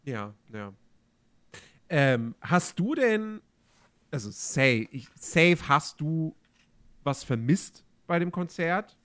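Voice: medium pitch, big pitch swings, slow pace, long pauses, a bit bright. A podcast co-host in casual chat, hesitant and often restarting questions.

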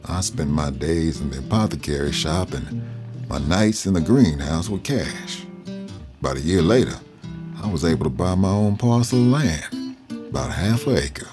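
An actor playing an old freed man from the South who tells his life story slowly and reflectively. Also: deep voice, expressive, over music. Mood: reminiscing. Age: older. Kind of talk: audio drama narration.

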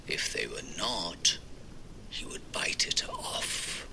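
Chatty older dad, very bright, animated voice. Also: male voice, fairly low pitch, normal speed, a little hiss or hum, heavily acted. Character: genial older father, fond of trivia. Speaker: father.

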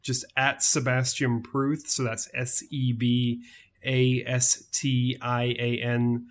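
A man talking casually as a guest about his audio drama, plain and relaxed, with frequent fillers. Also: mid-range voice, slow. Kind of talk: casual podcast interview.

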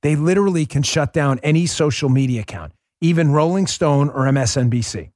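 A middle-aged man hosting a political talk podcast, speaking emphatically into a studio microphone, calling his listeners folks and dropping his voice low for emphasis. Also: lively intonation, brisk, no room sound. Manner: emphatic, swings loud and quiet for emphasis; addresses listeners directly as folks. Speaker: podcast host. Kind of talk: political talk show monologue.

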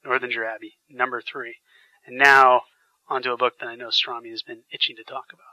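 A man's voice: mid-range voice, level tone, a little fast, sharp tone, no echo, lo-fi sound. A man hosting a podcast, chatting enthusiastically with frequent fillers while getting over a sinus infection. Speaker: podcast host. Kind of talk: casual podcast chat.

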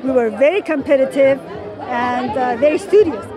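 A woman's voice: high-pitched, moderate pace, over music, crowd noise. A woman speaking emphatically in an interview.

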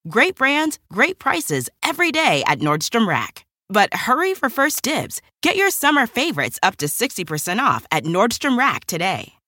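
A woman announcer delivers an upbeat ad with punchy emphasis. Her tone is bright and sharp, and her pitch leaps all over the place. The sound is dry and close. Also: huge pitch swings, normal speed, hardly any pauses, no echo. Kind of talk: upbeat retail ad read.

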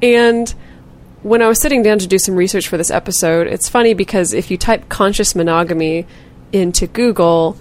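A woman's voice: medium pitch, normal speed, a little mellow. A woman co-hosting a casual podcast discussion, thoughtful and reflective, laughing lightly now and then. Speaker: podcast co-host.

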